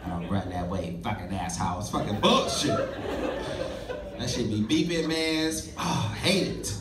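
A man in his thirties doing a stand-up comedy set on a club stage with a handheld mic, loud and animated with profane punchlines. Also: fairly low pitch, normal speed, far from the mic, heavy background noise. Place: comedy club stage before a live audience. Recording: roomy club audio, loud crowd laughter.

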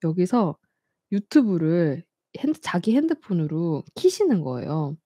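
A woman's voice: fairly low pitch, a little slow, slightly rough, no echo, clean studio sound. A young woman hosting a casual live stream, telling stories with frequent laughs and acting out the people she met. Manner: lively, laughs often, acts out quoted people. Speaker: YouTube host.

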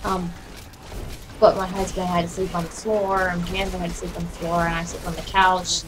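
Hoarse, raspy young woman streamer. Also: lowish voice, flat delivery, moderate pace, noisy background. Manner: chatty, profane, talks to herself while playing. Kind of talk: casual gameplay commentary. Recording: game music behind voice. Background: game music.

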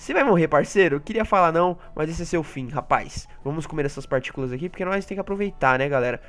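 A man with a Brazilian Portuguese accent giving excitable live commentary on his gameplay. He talks straight to his audience and often jumps into high yelps and laughter. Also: fast talker, faint music behind. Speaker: gaming YouTuber.

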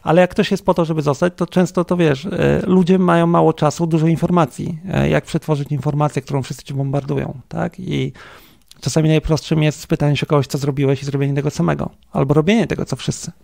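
A man with a higher, gravelly, creaky voice, thinking aloud in a frank, wry interview, peppering his points with fillers and tag questions. Dry recording with no room sound. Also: steady tone, fast talker, darkish tone, dry recording. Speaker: guest, company CTO. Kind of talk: casual interview conversation.

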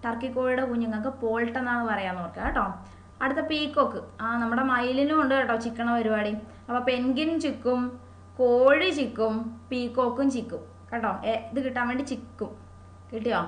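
A woman teacher giving a chatty exam-prep lesson, asking questions and answering them herself and repeating key words slowly. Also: on the high side, reverberant. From Kerala.

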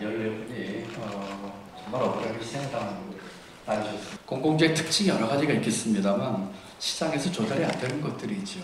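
Measured man speaking in an echoey hall. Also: mid-range voice, far from the mic. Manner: measured, with frequent "eo" pauses. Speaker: speaker at a policy forum. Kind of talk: formal prepared speech. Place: large conference hall. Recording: echoey hall mic from afar, faint noise.

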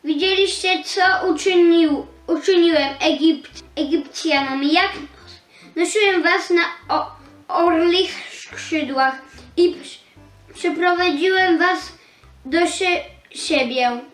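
Very high young female voice, halting read-aloud, stumbling on syllables, roomy sound.

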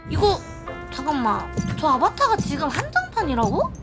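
Female game streamer: high-pitched, excitable, theatrical commentary with big swings in pitch. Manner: excitable, dramatic, quick to shriek. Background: music.

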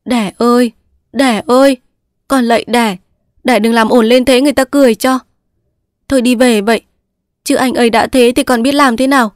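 A timid young daughter-in-law, meek and pleading, her voice lifted a little higher, as a woman narrator puts her on. The sound is dry and close. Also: fairly even intonation, normal speed, no room sound, lightly acted.

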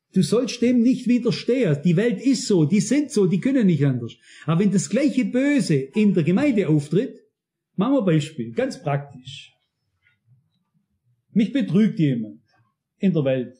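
Male preacher, high-pitched and bright, insistent sermon delivery with direct questions to the congregation. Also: very animated, a little slow. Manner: emphatic, addresses the congregation directly with frequent questions. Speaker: pastor.

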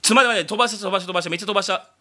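A man from abroad who speaks Japanese as a second language, giving a casual reaction commentary on an anime opening and breaking into loud exclamations. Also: high voice, very fast. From outside Japan. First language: not Japanese. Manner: excitable, bursts into loud exclamations.

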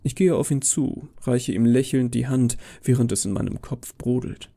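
Creaky, dark-voiced male horror narrator. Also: medium pitch, moderate pace. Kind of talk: scripted first-person horror narration.

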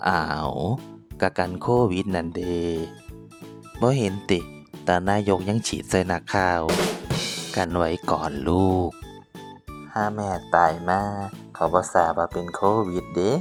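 A man's voice: deep voice, fairly even intonation, unhurried. A man voicing a bossy, crude middle-aged trans woman with an Isan accent in a cartoon dub. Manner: bossy, crude, loud-mouthed. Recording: echoey with loud music.

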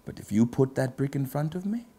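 A man in his thirties playing a pompous aristocratic gentleman host, giving a theatrical mock-literary dramatic reading of rap lyrics. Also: medium pitch, lively intonation, very noisy, lightly acted. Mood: theatrical, emphatic. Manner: pompous, theatrical, drawn-out pauses. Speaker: comedy show host. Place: book-lined indoor study set, seated.

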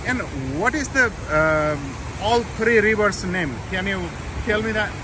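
A man's voice: high voice, animated. A man from Nepal with a Nepali accent, narrating a travel vlog and chatting with a stranger outdoors by a fountain. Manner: rapid, chatty narration with simple questions. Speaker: vlogger. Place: outdoors by a city fountain and river. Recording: outdoor phone audio, loud city and water noise.

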